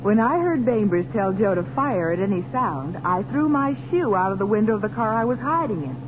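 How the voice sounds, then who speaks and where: An actress playing a detective's plucky young assistant in a 1940s radio crime drama, playful and coy. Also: female voice, medium pitch, expressive, brisk, noisy background, lightly acted. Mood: pleased. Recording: thin, tinny old radio recording with heavy background bustle.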